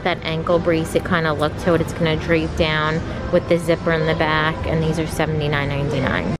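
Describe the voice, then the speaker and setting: A woman's voice: on the low side, poor audio. A woman filming a shoe-store haul, chatting through styles and prices in an upbeat, casual way. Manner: chatty, upbeat product rundown listing prices. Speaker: fashion vlogger. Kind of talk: shop-with-me shoe haul narration. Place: shoe store aisle, indoors. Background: background music.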